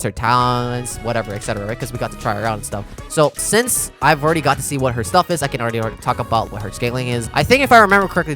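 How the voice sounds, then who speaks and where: Male streamer, casual game commentary, very lively pitch swings, chatty with his audience. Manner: animated, informal, talking to chat. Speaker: streamer reacting to a game character preview. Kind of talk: casual live reaction commentary.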